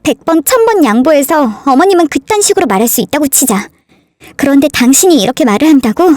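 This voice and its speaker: A woman's voice: sits high, animated, quick pace, dry recording. A woman doing a furious indignant young wife. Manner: shouting back, indignant.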